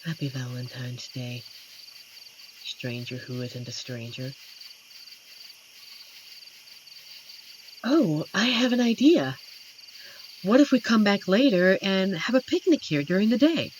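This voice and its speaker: Speaking directly to the listener, a voice actor portrays a lonely, kindly werewolf guardian of the forest soothing a stranger, in slow, medium-pitched, tender and slightly corny tones. The delivery is very animated and affectionate, with hesitant pauses, in a scripted, intimate roleplay. Clear crickets and night forest sounds fill the background, along with slight noise.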